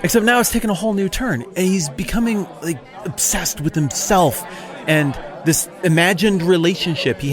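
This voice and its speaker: A man's voice: high-pitched, pitched above the performer's own voice. A man playing a self-righteous Pharisee who rants defensively and sarcastically about being wronged. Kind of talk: comic monologue in character.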